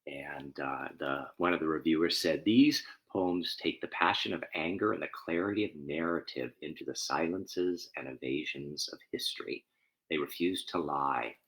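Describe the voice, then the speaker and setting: A man who is a minister, speaking in a reflective, halting way as he introduces and reads poetry. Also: extremely low pitch, a bit bright, low-quality recording. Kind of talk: informal spoken introduction and poetry reading.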